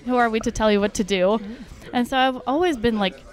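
Frank woman from Russia, slightly high voice. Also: brisk. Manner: open, frank, talks freely with many likes and you knows. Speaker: podcast guest. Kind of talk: candid casual chat.

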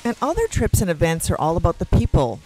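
A woman's voice: lowish voice, huge pitch swings, fast, a little mellow, slight background noise, poor audio. A woman co-hosting a casual podcast, recorded in a hotel lobby. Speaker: podcast co-host. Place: busy hotel lobby with a fountain.

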